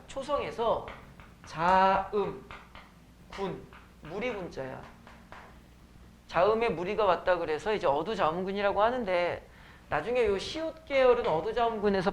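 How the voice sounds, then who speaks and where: Joking male classroom teacher. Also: high voice. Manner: casual, joking asides to students. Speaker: high school Korean teacher. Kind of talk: classroom lecture with teasing banter. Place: academy classroom.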